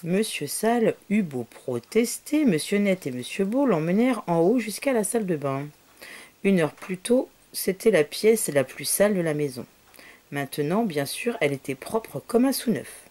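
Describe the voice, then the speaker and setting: Expressive woman reading a children's story. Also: lowish voice, normal speed. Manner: expressive, with soft whispered asides to the child. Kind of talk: children's story read aloud.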